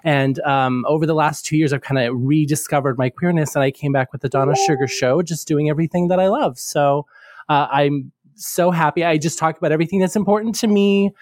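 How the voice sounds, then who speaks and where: Campy drag queen guy, kinda high voice, gushy podcast chat, super dry sound. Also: a little fast, darkish tone, dry recording. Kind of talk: casual chat.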